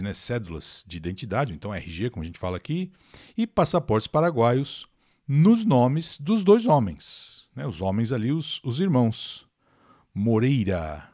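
An older Brazilian man with a Brazilian Portuguese accent leads a live English lesson, his medium-pitched voice very animated and rising and falling. He explains patiently and responds to viewers' questions by name, recorded close and dry with no room echo.

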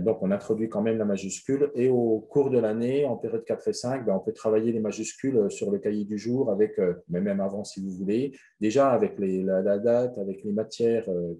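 A man's voice: on the low side, dark tone. A man presenting a webinar on a reading method, explaining in a loose, hesitant way with many fillers and restarts.

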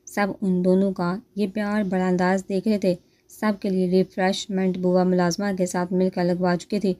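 A woman narrating a romance novel aloud in a steady storytelling manner. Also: fairly low pitch.

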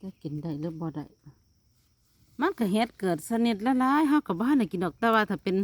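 Filming on a phone in a country yard, this Isan-accented woman talks to her vlog audience in a chatty way, addressing them as "brothers and sisters." She speaks fairly quickly in a sing-song, mid-pitched voice over slight background noise.

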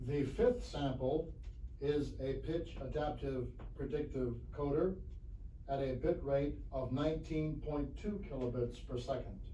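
A man reading scripted technical narration in a formal, measured manner on a 1970s flexi-disc. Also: mid-range voice, mellow. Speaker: narrator of a demonstration recording. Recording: roomy, distant, faintly hissy 1970s flexi-disc recording.

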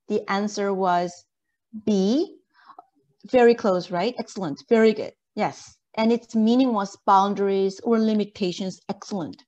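A woman's voice: medium pitch, darkish tone. A woman lecturer giving an interactive online lesson in an encouraging way, checking understanding with questions. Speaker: university lecturer. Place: indoor video call.

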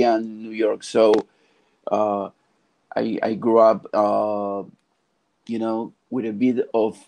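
A middle-aged man from Argentina, a film composer, talking on a video call from his home studio with halting phrasing and many restarts. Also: on the low side, gravelly, warm tone. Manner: halting, searching for words, frequent restarts. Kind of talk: casual video call interview. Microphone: earphone mic on video call.

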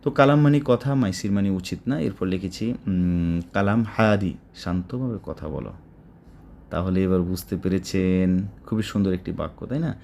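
A man with a Bangladeshi Bengali accent gives a spoken Arabic lesson. His voice sits low and gravelly, and he goes over each phrase slowly, word by word. Faint noise hums behind him. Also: darkish tone. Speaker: Arabic language teacher.

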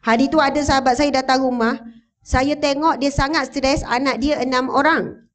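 Woman preacher, Malaysian Malay accent, high pitch, animated and engaging with the audience. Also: normal speed. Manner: animated, addresses the audience with questions. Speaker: religious teacher. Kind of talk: religious talk to a mosque audience. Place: mosque hall, indoors. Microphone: handheld or lapel microphone, standing.

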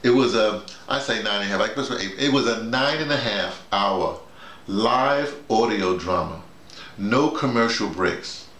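A man's voice: fairly low pitch, unhurried, a bit bright. A man, talking casually and emphatically, digressing and repeating his phrases. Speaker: drama workshop leader. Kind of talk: casual conversation, storytelling and explaining. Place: small indoor room with a bed. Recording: echoey room, faint noise.

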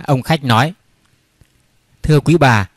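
A Vietnamese joke teller reads short comic stories aloud at a measured pace in a mid-range voice, raising his voice for the characters. There's no room sound.

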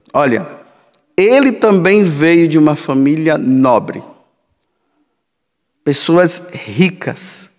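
A man in his sixties, a priest giving a storytelling homily in a large church sanctuary on a headset mic, gesturing broadly as he speaks. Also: fairly high pitch. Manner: slow, storytelling, sweeping hand gestures. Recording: long hall reverb.

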